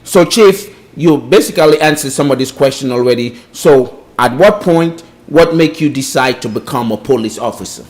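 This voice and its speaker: A man's voice: medium pitch, normal speed, hardly any pauses, a little mellow. A man hosting an interview podcast, welcoming guests formally and asking plain conversational questions. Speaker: podcast host.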